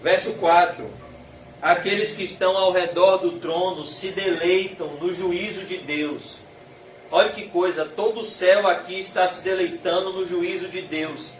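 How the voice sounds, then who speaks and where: A man with a Brazilian Portuguese accent preaching a sermon, emphatic, stretching his phrases slowly as his passion rises. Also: high-pitched, fairly even intonation, a little hiss or hum. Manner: emphatic, drawn-out slow phrases rising in passion. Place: church hall. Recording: echoey hall, mic from far off.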